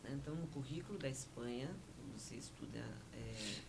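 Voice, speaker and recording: A woman's voice: extremely low pitch, vocal fry. Woman with native Spanish, noisy recording. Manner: explanatory, measured. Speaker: interview guest, honorary consul. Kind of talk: radio interview conversation.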